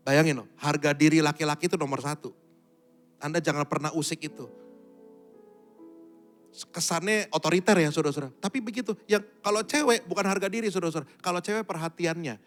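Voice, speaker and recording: A man preaching a Sunday church sermon, telling stories to the congregation and swinging between quiet asides and loud, emphatic bursts. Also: fairly high pitch. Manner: keeps addressing the congregation directly. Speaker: pastor. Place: church service.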